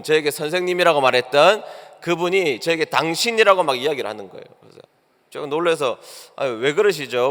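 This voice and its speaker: A man's voice: fairly high pitch, fairly bright tone. A male pastor preaching a sermon, telling a personal story and acting out both sides of a phone call. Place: church sanctuary. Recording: long church hall reverb.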